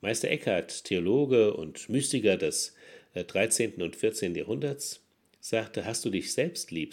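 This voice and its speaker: A man preaching a sermon to his congregation, earnest, with rises and drops in loudness for emphasis. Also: slightly rough. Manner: earnest preaching with strong swells in loudness and pitch. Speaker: pastor.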